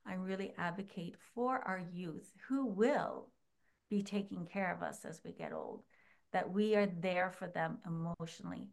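A woman with a lowish, gravelly voice who talks very slowly. She speaks in an earnest, soft-spoken way, and her sentences trail off quietly at the ends. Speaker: guest author. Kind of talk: slow heartfelt talk.

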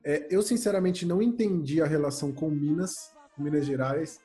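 A man's voice: on the high side, moderate pace, warm tone, faint music behind. A man hosting a comedy podcast, handing out mock-serious, ironic praise. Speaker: podcast host.

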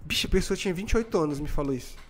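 A Brazilian man in his twenties hosting a live stream, telling stories in casual, slangy, animated motivational chat. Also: a little high, racing. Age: 20s.

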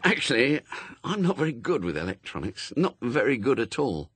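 A man's voice: mid-range voice, very animated, normal speed, a bit bright, husky, dry recording. A man voicing a hapless, gloomy, awkward man with a hesitant, wordy, apologetic way of talking in a storybook. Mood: wretched, sheepish.

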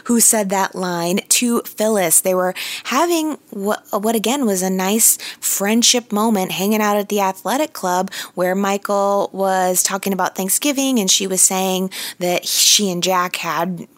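A woman host recording a casual solo audio update, her voice slightly raspy and a little hoarse while she recovers, talking chattily with many fillers and restarts. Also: mid-range voice, a little slow, few pauses, no echo. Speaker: podcast host.

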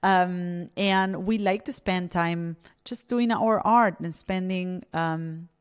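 A woman in her thirties from Argentina talks through her solo podcast episode. Her voice sits a little low. She speaks in a reflective, unhurried way, often pausing on fillers and restarting her phrases. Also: fairly even intonation, smooth. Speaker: podcast host.

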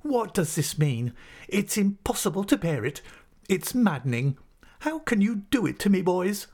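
An anguished schoolmaster from a storybook acted out by a man reading aloud. His voice rides high and swoops with indignation. He is formal and tremulous, tripping over words as he clings to his dignity. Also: big pitch swings, brisk, darkish tone. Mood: exasperated outburst. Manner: agitated, stammering, formal. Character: anguished adult male schoolmaster, indignant, trembling, wounded dignity.

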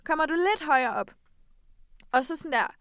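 A woman's voice: high voice, a bit bright, dry recording, clean studio sound. A teenage girl co-hosting a podcast, chatting playfully and spinning vivid, rambling comparisons. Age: late teens. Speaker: podcast co-host. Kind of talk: casual chat.

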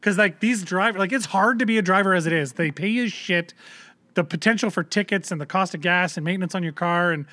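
A man's voice: sits high, quick pace, sharp tone. A man in his thirties co-hosting a parenting podcast in casual, rambling chat, with loose swearing and lots of fillers. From Canada. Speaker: podcast co-host.

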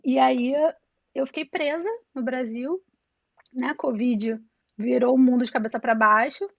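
A woman's voice: high-pitched, steady tone, measured pace, gravelly, dry recording, highs cut off. A woman in her thirties from Brazil with a Niterói, Rio accent, chatting as an interview guest, full of fillers and restarts. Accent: Rio de Janeiro, Niterói. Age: 30s. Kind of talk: casual conversational interview. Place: home in Toronto over a call.

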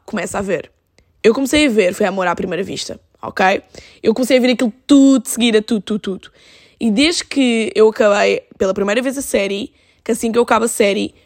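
A young woman with a European Portuguese accent hosting a casual solo podcast, animated and dropping in English phrases. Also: medium pitch, creaky, no echo, clean studio sound. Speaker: podcast host.

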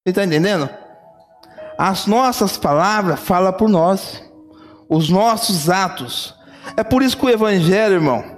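A man preaching a sermon, telling a story fervently and repeating phrases. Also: high-pitched. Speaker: pastor.

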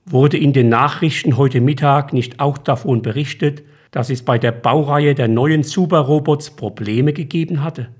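Husky-voiced man reading a story. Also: medium pitch. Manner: calm, measured storytelling. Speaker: author and reader. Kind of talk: read-aloud short story.

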